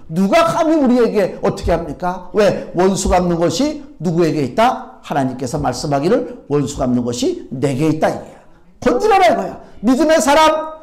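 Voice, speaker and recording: Male pastor, animated sermon delivery, swings from loud to quiet. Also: high voice. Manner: lively preaching, rhetorical questions, shifts from loud to hushed. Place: church sanctuary.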